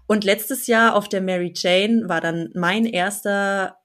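A woman's voice: medium pitch, fairly even intonation, slow, a bit bright, soft background music. A woman in her thirties from the Allgäu in southern Germany, speaking earnestly and enthusiastically as an interview guest. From Allgäu, Bavaria, southern Germany. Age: 30s. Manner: enthusiastic, earnest, laughs easily. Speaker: interview guest, blog founder and editor. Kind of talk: conversational podcast interview.

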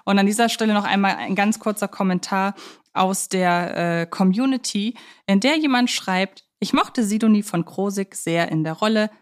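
A woman co-hosting a podcast, talking through films in a reflective, halting way with long winding sentences. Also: mid-range voice. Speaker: podcast co-host. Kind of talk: conversational film discussion.

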